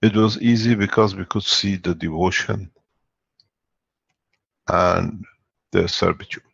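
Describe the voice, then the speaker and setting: A man hosting an online call, speaking in a deliberate, formal way. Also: low-pitched, fairly even intonation, vocal fry, a bit bright, breathy edge, no echo. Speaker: host. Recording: dull lo-fi call audio.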